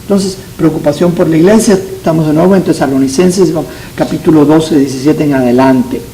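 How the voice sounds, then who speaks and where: A man's voice: fairly high pitch, a little fast, warm tone, slight background noise, low-quality recording. A man born in Cuba, a pastor teaching a Sunday school Bible class, earnest and repeating key phrases for emphasis.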